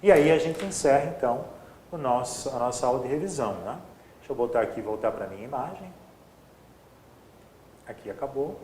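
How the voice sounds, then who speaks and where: A man's voice: mid-range voice, lively intonation, brisk, pauses often, darkish tone, reverberant, slight background noise. A man teaching an exam-prep grammar lesson, explaining step by step and checking in with his students often.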